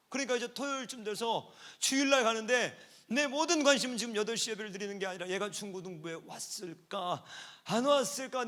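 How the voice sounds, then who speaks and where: A male pastor preaching a sermon at a church service, telling stories and moving between hushed, quiet passages and loud, fervent outbursts. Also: extremely high pitch. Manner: storytelling, swinging between hushed and shouting.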